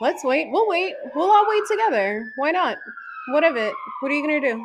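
Noticeable background noise runs behind a woman speaking at a moderate pace. Her pitch swings very widely. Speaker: podcast host. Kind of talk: casual solo monologue. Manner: animated.

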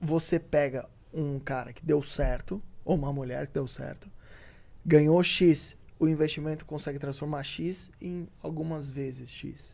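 Speaking at a fairly slow pace, a man with a fairly high pitch and a dark, mellow tone swings widely in loudness. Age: 30s. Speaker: finance YouTuber. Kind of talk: casual chat.

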